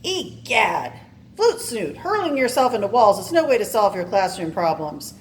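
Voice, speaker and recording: A woman's voice: mid-range voice, very animated, normal speed, a little hiss or hum, voice pushed up, lightly acted. A woman voicing a condescending older male school official from a comic book, dismissive and patronizing.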